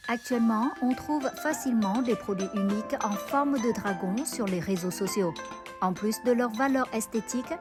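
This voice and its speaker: A woman narrating a news report in a steady, even reading. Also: fairly high pitch, normal speed. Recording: voice-over with music beneath.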